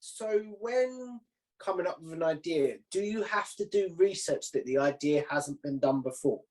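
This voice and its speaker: A man's voice: a little high, expressive, moderate pace, a little mellow, low-quality recording. A man hosting a casual podcast interview, chatting informally, offering his opinions and thinking aloud as he goes.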